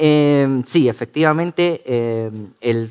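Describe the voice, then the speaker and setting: A man speaks with lively intonation. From Chile. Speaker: missionary preacher. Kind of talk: sermon. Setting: church.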